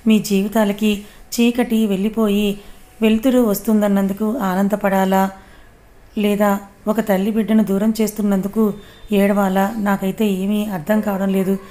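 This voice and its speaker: A woman voicing a tearful, caring young aunt in a read-aloud family story, in a soft, emotional manner. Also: medium pitch, flat delivery, normal speed, close to an everyday voice. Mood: tender.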